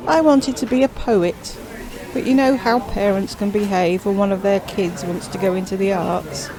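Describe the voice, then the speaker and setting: A woman's voice: mid-range voice, steady tone, moderate pace, a crowd in the background, natural voice, poor audio. A woman voicing a chatty, self-absorbed widowed queen who drawls with grand theatrical emphasis. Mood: gossipy.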